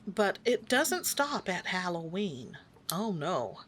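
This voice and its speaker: A woman's voice: on the low side, sing-song, slow, a bit bright, slight background noise. A woman hosting a craft video, narrating conversationally with a wry, dry sense of humor.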